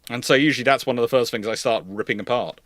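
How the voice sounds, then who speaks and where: The consultant hosting a naval history livestream answers questions quickly in a mid-range, slightly bright voice, with no room sound. He falls into hesitant repetitions and emphatic restating as he explains.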